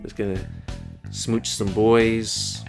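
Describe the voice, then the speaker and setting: A man's voice: fairly low pitch, flat delivery, takes it slowly, gravelly, over music. A man casually chatting about games he plays, rambling and often interrupting himself. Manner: rambling and self-interrupting, with fillers. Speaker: gaming video host. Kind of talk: casual game review over gameplay.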